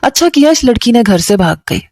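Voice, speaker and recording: A woman voicing a soft-hearted middle-aged mother with a motherly, reproachful manner. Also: a little high, big pitch swings, fairly quick, no room sound, clean studio sound. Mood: kindly.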